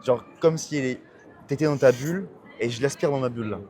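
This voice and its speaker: A man's voice: mid-range voice, quick pace, darkish tone. A young man coaching casually on a city street, enthusiastic and slangy, repeating his praise. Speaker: dating coach. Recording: busy street with crowd chatter.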